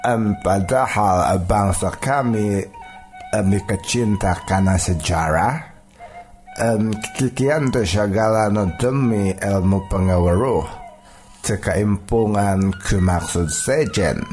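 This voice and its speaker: Colonial European sergeant, played by a male storyteller: earnest, persuasive, slow halting delivery, low pitch, light music behind. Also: darkish tone. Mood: persuading. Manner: halting, drawn-out speech with hesitant hums.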